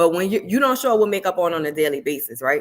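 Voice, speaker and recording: Very fast speech in a New Orleans accent, with lively intonation. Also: woman. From New Orleans, Louisiana. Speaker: public speaker, entrepreneur. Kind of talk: interview conversation.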